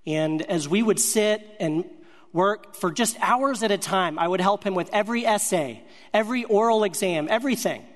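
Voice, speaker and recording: A man with a notably high voice tells his story from the pulpit, earnest and measured, letting his thoughts come out in short, broken-up phrases. His words ring out with the long reverb of a large hall. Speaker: speaker sharing a ministry testimony. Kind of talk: storytelling sermon.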